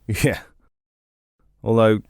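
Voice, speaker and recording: A man's voice: lowish voice, flat delivery, very slow, gravelly, darkish tone, clear, resonant tone, no echo, studio quality, full character voice. An actor playing a curious, easygoing British podcast host in an audio drama, chatting informally and hesitantly as he thinks aloud. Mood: hesitant, intrigued. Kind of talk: naturalistic audio drama dialogue, casual banter.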